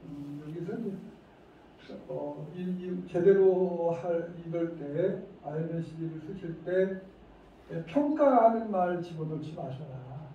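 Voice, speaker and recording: A middle-aged man giving a lively lecture to parents, acting out how parents scold and leading the room in reciting phrases. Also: a little high, slow. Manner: animated, acts out scolding parents, leads group recitation. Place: lecture hall. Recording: echoey hall, distant mic, dull faint noise.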